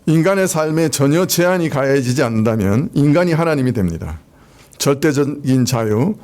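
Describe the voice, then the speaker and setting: A man preaching a Sunday sermon as pastor, in a conversational way, letting phrase endings trail off quietly. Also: medium pitch. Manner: conversational preaching with soft laughs and drawn-out endings. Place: church sanctuary.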